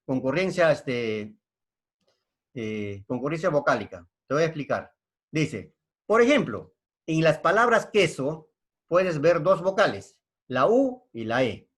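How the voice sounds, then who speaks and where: A man from Peru, with a Peruvian Spanish accent, teaches an online language lesson, explaining patiently and checking in with frequent tag questions. His voice is a little high and a bit bright, slow-paced, with big pitch swings.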